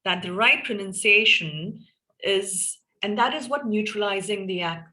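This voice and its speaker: A woman's voice: mid-range voice, measured pace, bright, forceful tone, poor audio. A woman with an Indian accent moderating an online meeting, encouraging participants to speak up. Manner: encouraging, prompts participants by name. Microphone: video call.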